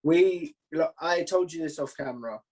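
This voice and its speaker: A man's voice: a little high, normal speed, a little mellow. A man hosting a casual podcast interview, chatting informally, offering his opinions and thinking aloud as he goes.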